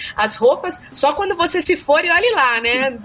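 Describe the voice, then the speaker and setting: Her intonation rises and falls in a lively way. Behind this woman, background noise is clearly noticeable. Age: 20s. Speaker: radio podcast host. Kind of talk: interview. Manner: animated.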